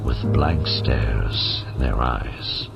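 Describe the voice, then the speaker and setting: A man with a gravelly voice reading a scripted ghost story. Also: very deep voice, drawn-out words. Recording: dull, lo-fi audio under loud music.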